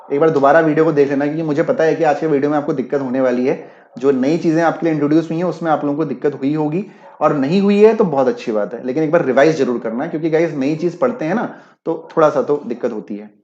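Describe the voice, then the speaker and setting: Higher-voiced teacher, echoey and dull. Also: male voice, quick pace, dark tone. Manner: mixes Hindi with English, keeps checking if students follow. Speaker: online exam-prep teacher. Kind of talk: live-class explanation with chat replies.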